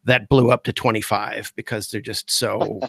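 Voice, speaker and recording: A man's voice: lowish voice, flat delivery, normal speed, creaky, fairly bright tone, breathy edge, dry recording. A man talking casually on a video call as a guest host, rambling with fillers and restarts. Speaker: guest host, podcast creator.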